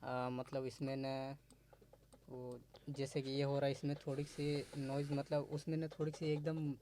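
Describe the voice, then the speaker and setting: Hesitant male student, flat monotone, halting replies. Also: mid-range voice, slight background noise. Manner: hesitant, full of fillers, searching for words. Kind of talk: classroom discussion.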